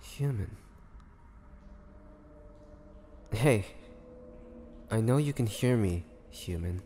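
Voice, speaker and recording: A man playing a weary, brooding ancient vampire in a dramatic audio roleplay, speaking haltingly with a low, gravelly voice. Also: darkish tone. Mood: menacing, taunting. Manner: slow, halting, brooding delivery with pauses. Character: weary, imprisoned ancient male vampire, groggy and menacing. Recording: long cavernous reverb, background noise.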